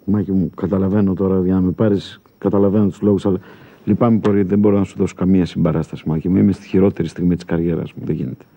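An actor playing a gloomy, self-absorbed husband in a TV sitcom, mournful and coaxing. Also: male voice, low voice, steady tone, dark tone. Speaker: actor in a TV comedy series. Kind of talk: sitcom acting. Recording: dull broadcast audio with faint music.

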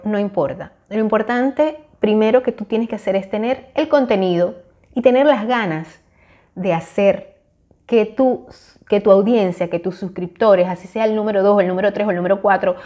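A woman's voice: medium pitch, normal speed, warm tone, muffled recording. A woman, talking to camera on a lapel mic in a small room, earnest and encouraging with frequent hesitations. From Venezuela. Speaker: YouTuber. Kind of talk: casual talk to camera.

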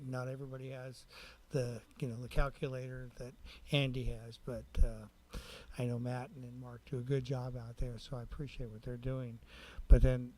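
Male council member, soft-edged mellow tone, mid pitch, halting, rephrases often, questioning in a public meeting. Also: poor audio.

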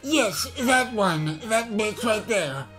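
A man voicing a fussy, formal white rabbit herald, announcing in a drawn-out, mock-pompous way. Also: high voice, animated, a bit bright, soft background music, pitched above the performer's own voice, full character voice. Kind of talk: improvised cartoon game dubbing.

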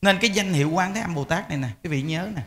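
A man's voice: high voice, rapid-fire, fairly bright tone. A man, a Buddhist monk, giving an informal, emphatic dharma talk to lay followers. He repeats words and often speaks to his listeners directly.

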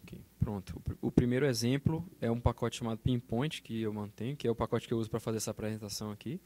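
A man's voice: medium pitch, fairly even intonation, quick pace, dark tone. A man with a Brazilian Portuguese accent giving a technical conference talk, explaining step by step with frequent check-ins on a hall microphone. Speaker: conference speaker. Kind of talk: technical talk with live demo. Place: conference auditorium stage. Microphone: handheld then podium microphone.

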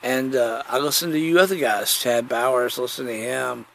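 A man with a creaky, gravelly voice rambles through a casual solo podcast. He is folksy and digressive, repeating himself as he goes, with faint noise behind him. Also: mid-range voice, steady tone, moderate pace, fairly bright tone. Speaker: podcast host.

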